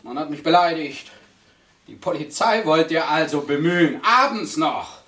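An actor playing a coarse, quarrelsome neighbour in a radio play, mocking and boastful. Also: male voice, on the high side, lively intonation, normal speed, fairly bright tone, distant mic. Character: rowdy, quarrelsome working-class neighbour, boastful. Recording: roomy, off-mic radio play recording.

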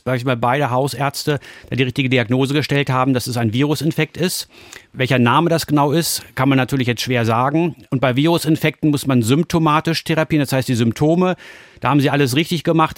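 A man's voice: medium pitch, steady tone, brisk, dry recording. Male physician, mid-range voice, reassuring explainer for medical advice, dry studio sound. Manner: reassuring, explains in simple terms. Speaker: doctor answering callers.

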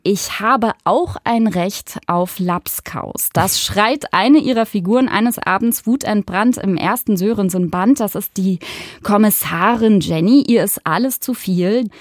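A woman hosting a radio interview, speaking in a measured, clear and articulate way. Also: mid-range voice, dry recording, studio quality. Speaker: radio host. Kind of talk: radio interview, scripted introduction.

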